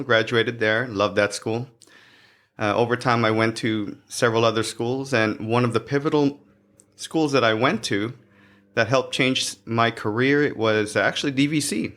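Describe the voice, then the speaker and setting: Podcast guest, young man from the Philippines, mid-pitched, halting delivery with frequent restarts and fillers. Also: fairly bright tone. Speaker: guest, cybersecurity professional. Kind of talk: podcast interview.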